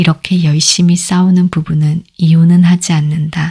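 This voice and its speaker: A woman with a calm, dark, mellow tone speaks very slowly at a fairly low pitch, somewhat breathy. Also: dry, close sound with no echo. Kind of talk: audiobook reading. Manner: calm, soft-spoken.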